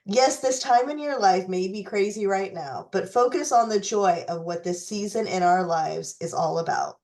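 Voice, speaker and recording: A woman hosting a recipe tutorial who is losing her voice and fighting a cough, talking in a deliberate way with some fillers. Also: mid-range voice, darkish tone. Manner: slow, deliberate, with fillers and restarts. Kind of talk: reading a letter, then walking through recipes.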